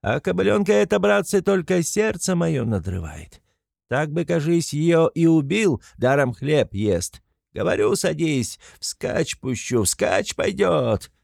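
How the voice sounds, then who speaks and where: A man's voice: on the high side, sing-song, unhurried, vocal fry, darkish tone, dry recording, studio quality, pitched above the performer's own voice, exaggerated voice. A man voicing a drunken, brutal peasant cart owner, bellowing and raucous. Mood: boastful.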